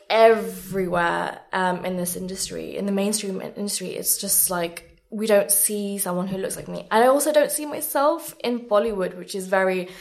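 A woman's voice: medium pitch, darkish tone. A woman born in Sri Lanka speaking candidly and emphatically as a guest in a casual interview, often saying "like". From born in Sri Lanka, moved abroad aged three or four. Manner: earnest, emphatic, frequent "like". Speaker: guest, beauty content creator.

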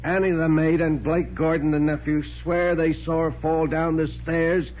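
An actor playing a skeptical, impatient homicide detective, gruff and slangy, in 1940s radio drama style. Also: male voice, a little high, little pitch movement, normal speed, natural voice. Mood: dismissive, insistent. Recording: muffled, noisy 1940s radio recording with hum.

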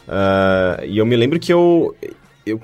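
A Brazilian man chatting casually as a podcast co-host, halting and stumbling over his words as he repeats them. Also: on the low side, sing-song, a little mellow. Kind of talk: casual conversation. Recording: music behind.

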